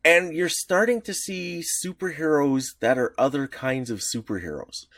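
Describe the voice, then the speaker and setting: A man's voice: fairly high pitch, normal speed, fairly bright tone, no echo. A man co-hosting a podcast in casual chat, talking with enthusiasm and tripping over restarts as ideas pile up. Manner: enthusiastic, rambling with frequent restarts. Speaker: podcast co-host.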